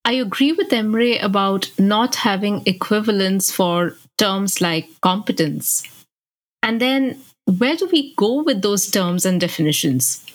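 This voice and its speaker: A woman from India co-hosting a podcast, talking in an engaged, conversational way. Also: medium pitch. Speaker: podcast co-host.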